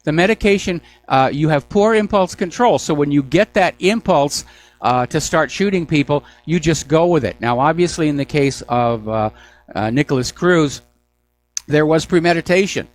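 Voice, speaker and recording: A man hosting a call-in radio talk show, moving briskly between callers with frequent filler sounds. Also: fairly high pitch, poor audio. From New Hampshire.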